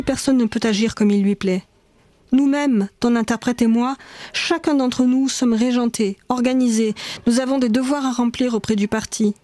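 A man's voice: very high-pitched, darkish tone. A woman voicing a weary male school director who lectures and reasons patiently in a read-aloud memoir. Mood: lecturing.

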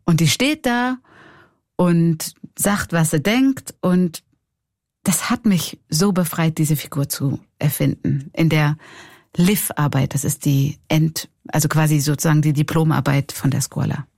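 A woman's voice: deep voice, a little slow, no echo, clean studio sound. Reflective Swiss German woman comedian. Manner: warm, reflective, laughs often. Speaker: comedian and clown. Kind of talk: reflective interview.

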